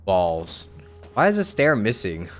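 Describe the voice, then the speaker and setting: Male game streamer, low voice, casual muttered reactions, thinking aloud over faint music. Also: wildly swooping pitch, a little slow. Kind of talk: casual gameplay commentary.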